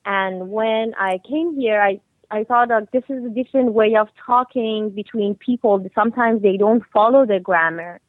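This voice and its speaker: A woman's voice: medium pitch, moderate pace, no echo. Iranian-born woman on a tinny phone line. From Iran. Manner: laughs easily, eager and chatty. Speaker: guest. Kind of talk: phone interview.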